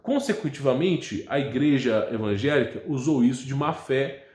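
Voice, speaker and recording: A man with a Brazilian Portuguese accent hosts a channel and answers viewer questions in a casual, rambling way, often stopping to check with a quick "tá?". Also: mid-range voice, a little mellow, reverberant. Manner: rambling, restarts words, ends phrases with a checking "tá?". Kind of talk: casual religious talk.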